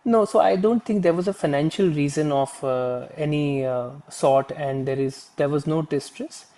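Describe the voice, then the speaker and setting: A man with an Indian accent answering questions on an earnings call as a company executive, in a formal, measured, corporate manner. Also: fairly high pitch, mellow.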